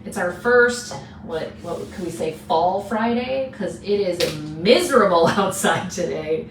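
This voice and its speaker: A woman's voice: fairly low pitch, animated, a little slow. A woman co-hosting a casual chat show, chatty and teasing, laughing easily. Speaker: co-host, real estate agent. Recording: echoey room, mic at a distance, faint hiss.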